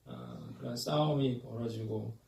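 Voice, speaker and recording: A man's voice: medium pitch, fairly even intonation, measured pace, gravelly, a little mellow. A male pastor preaching a sermon, talking in a conversational way with many hesitations and leading his congregation in call-and-response. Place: church sanctuary. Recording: roomy church hall, mic at a distance, faint noise.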